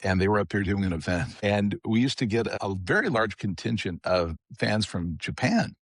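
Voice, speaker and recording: A man's voice: lowish voice, animated, moderate pace, no echo, studio quality. A man guest on a podcast, telling stories in a rambling way with many restarts. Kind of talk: casual storytelling chat.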